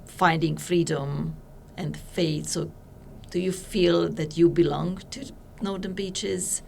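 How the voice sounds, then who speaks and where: A woman hosting a podcast interview, gentle and affirming, with frequent murmured agreement. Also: lowish voice, steady tone, takes it slowly, vocal fry, a little hiss or hum. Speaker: podcast host.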